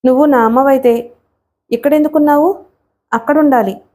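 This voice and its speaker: A woman's voice: steady tone, normal speed, mellow, close to an everyday voice. A woman doing a wild-tempered young girl. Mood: defiant. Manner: defiant, shrill outbursts. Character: volatile young woman with a split personality.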